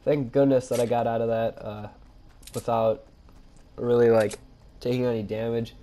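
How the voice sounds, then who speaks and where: A young man with a cold, stuffed up and nasal, commentating his own gameplay and pausing for breath, with excited outbursts. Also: mid-range voice. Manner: nasal, pauses for breath mid-sentence; excitable exclamations during fights. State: congested from a cold. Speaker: gaming channel host.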